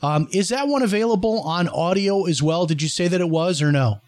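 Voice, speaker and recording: A man's voice: high voice, animated, a little fast, dry recording. A man hosting an interview show, giving upbeat promotional plugs and wrapping up with thanks. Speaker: show host.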